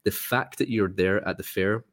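A man's voice: fairly low pitch, normal speed. A man from Scotland, a guest in a casual interview, explaining things in friendly, upbeat lists. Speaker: guest, sourcing expert.

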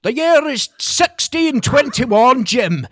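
A man playing a humble, excitable Scottish settler in an amateur comedy play, exclaiming theatrically and eagerly. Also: very high voice, slow, no echo, clean studio sound, full character voice. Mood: loud, marvelling.

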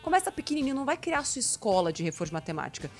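A woman's voice: fairly high pitch, sing-song, rapid-fire, soft background music. A woman hosting a radio talk show, explaining things step by step in an emphatic, coaching way. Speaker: host.

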